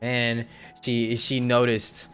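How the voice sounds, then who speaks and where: A young man giving casual, slangy live gameplay commentary, reacting aloud in a halting way. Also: medium pitch, monotone, fairly bright tone, clean tone, faint music behind. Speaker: game streamer.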